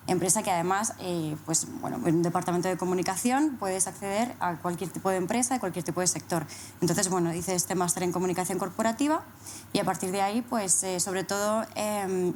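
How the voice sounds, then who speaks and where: A woman's voice: on the low side, a little mellow, slight background noise. A thirty-year-old woman with a Madrid accent, telling her own story as an interview guest, often posing rhetorical questions. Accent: Spanish (Madrid). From Madrid, Spain. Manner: breaks explanations with rhetorical questions. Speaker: interview guest, corporate communications manager. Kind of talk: casual personal account in interview.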